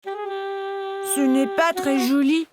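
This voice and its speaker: Eager little boy, high-pitched. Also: very slow, music in the background. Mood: shy, soft. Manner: childlike, simple earnest phrasing. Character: four-year-old boy, sweet, eager, curious. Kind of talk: children's cartoon dubbing.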